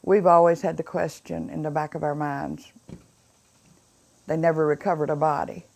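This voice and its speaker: A woman's voice: low-pitched, little pitch movement, normal speed, gravelly, darkish tone. An American woman in her seventies recalling family memories in an interview. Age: 70s. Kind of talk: recollection in news interview.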